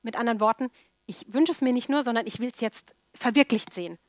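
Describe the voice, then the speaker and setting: A woman's voice: on the high side, fairly quick, a little mellow, no echo, studio quality. A woman preaching a sermon emphatically, repeating key words for stress.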